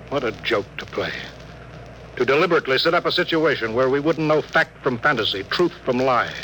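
An actor playing a tense, suspicious starship captain in a 1950s radio drama, clipped and commanding. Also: male voice, medium pitch, animated, normal speed, bright, forceful tone, slight background noise, low-quality recording. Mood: brooding. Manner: barking orders, clipped and urgent. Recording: old radio broadcast with music.

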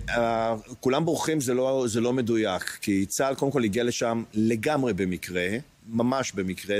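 A man in his sixties, an interview guest, recounting a personal ordeal in a hesitant way, searching for words with many pauses. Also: lowish voice, darkish tone. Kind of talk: emotional personal testimony.

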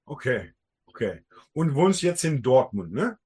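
A man's voice: mid-range voice, sing-song, measured pace, warm tone, husky. A man from the Netherlands with a Dutch accent, a native Dutch speaker hosting a podcast in casual talk, searching for words with small grammar slips. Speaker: podcast host.

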